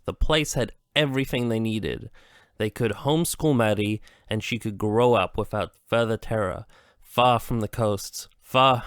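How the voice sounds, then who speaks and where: A man reading a novel aloud slowly, with halting restarts, as an amateur audiobook reader. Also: medium pitch, no room sound, studio quality.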